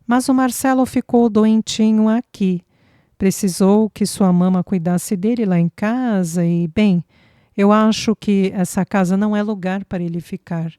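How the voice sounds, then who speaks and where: A woman's voice: mid-range voice, steady tone, unhurried, dark tone, dry recording, studio quality, close to an everyday voice. A woman reading a young mother's lines with emotional, pleading speech.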